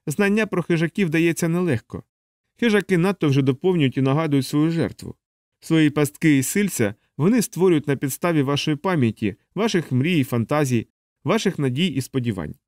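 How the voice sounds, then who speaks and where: A man's voice: fairly high pitch, animated, brisk, a little mellow, no echo, studio quality, voice pushed up, lightly acted. A man voicing a fussy male alien helper who lectures at length, in an audiobook. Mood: lecturing. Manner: didactic, explaining at length. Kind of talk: audiobook character voice.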